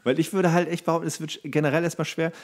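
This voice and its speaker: A man's voice: on the high side, flat delivery, very fast. A man hosting a podcast in casual chat, thinking aloud in a rambling way with English slang mixed in. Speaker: podcast host.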